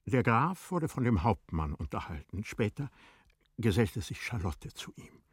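A man narrating a literary radio play from a script, in measured, formal storytelling. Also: on the low side, sing-song, slightly rough, dry recording, clean studio sound.

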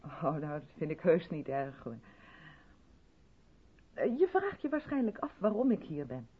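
An actress playing an effusive, self-absorbed white South African theatre director in a 1970s Dutch radio play, chatty and patronising in a theatrical way. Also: female voice, deep voice, big pitch swings, a little slow, slightly rough, heavily acted. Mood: chatty, purposeful. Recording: dull vintage radio recording.

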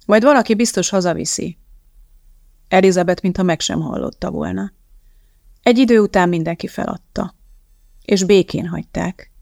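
Audiobook reader, measured literary narration, gravelly texture, very dry close sound. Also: medium pitch, darkish tone, dry recording.

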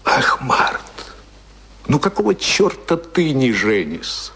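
An actor in a radio play playing an easygoing working man, talking informally in a drawl with a husky, creaky voice. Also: mid-range voice, very animated, takes it slowly, pushed and bright, full character voice. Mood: happy, teasing. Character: Jim, easygoing working man about to marry.

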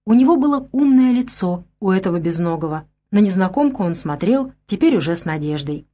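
A woman narrating an adventure audiobook in a steady, clear storytelling manner. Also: medium pitch, brisk.

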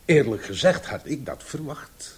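An actor playing an opinionated, philosophizing elderly uncle who lectures pompously in a Dutch radio play. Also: male voice, mid-range voice, animated, unhurried, a little mellow, husky. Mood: knowing. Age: older. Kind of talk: Dutch radio drama acting.

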